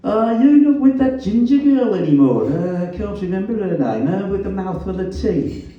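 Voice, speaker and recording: Man putting on a smug high-pitched Black Country copper. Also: animated, moderate pace. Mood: needling. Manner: loud, mocking, overfamiliar. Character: smug, needling male police detective sergeant, 1970s. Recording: echoey room, distant mic, muffled sound.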